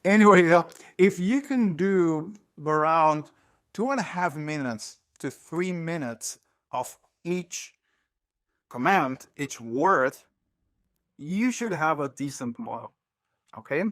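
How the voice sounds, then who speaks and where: A man's voice: on the high side, expressive, takes it slowly. Guy running a hands-on tech workshop, stresses stuff, keeps asking "make sense?". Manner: emphatic, repeats key points, checks understanding. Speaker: workshop instructor. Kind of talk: live hands-on workshop instruction. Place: room with a live audience.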